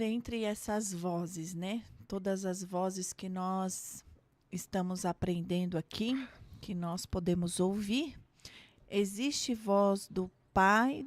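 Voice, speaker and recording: A Brazilian woman, a pastor, talking casually and softly, laughing easily. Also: mid-range voice, no room sound. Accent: Brazilian Portuguese. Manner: soft, warm-toned asides, laughs easily. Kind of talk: casual conversation.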